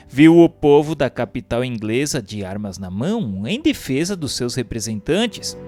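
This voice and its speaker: A man delivers a solemn, formal narration over music. His pitch moves expressively through long, declaimed sentences, in a mid-range voice. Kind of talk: solemn scripted narration of a spiritist history text.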